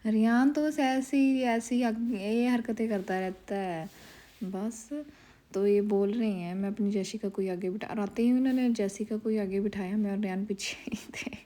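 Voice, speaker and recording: A woman's voice: mid-range voice, steady tone, normal speed, dark tone. Chatty mother narrating her family vlog. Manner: chatty, scolding and teasing about her kids. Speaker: vlogger and mother.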